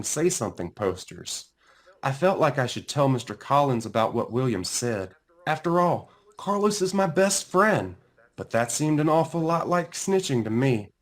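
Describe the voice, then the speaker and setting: Male children's book narrator: mid-range voice, highly varied intonation, deliberate dramatic emphasis. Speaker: author reading own book aloud. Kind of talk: expressive children's storybook narration.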